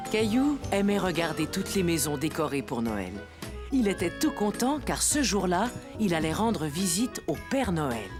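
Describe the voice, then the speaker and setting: A woman playing a gentle storyteller, narrating a children's cartoon over music. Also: lowish voice, very animated, normal speed. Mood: warm storytelling. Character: gentle storyteller narrating a young boy's adventures.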